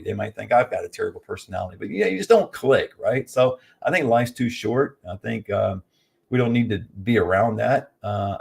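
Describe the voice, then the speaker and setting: A man's voice: lowish voice, gravelly, slightly rough. A man coaching in an informal motivational business talk, conversational, repeating key points for emphasis and often checking in with short tag questions. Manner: conversational, emphatic repetition, frequent "right?" tags.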